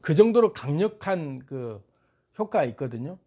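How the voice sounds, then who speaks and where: Playful, laughing man with lively pitch. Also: moderate pace. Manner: playful, animated, laughs often, urging listeners. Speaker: motivational speaker. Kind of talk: motivational talk to camera.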